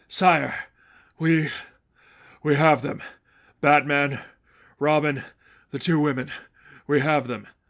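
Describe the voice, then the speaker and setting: Putting on a character voice, a man growls with an intense tone at a fairly high pitch and a fairly slow pace. His intonation stays fairly even, with long, frequent pauses, in a very clean recording with a silent background. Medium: read story. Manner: intense, snarling.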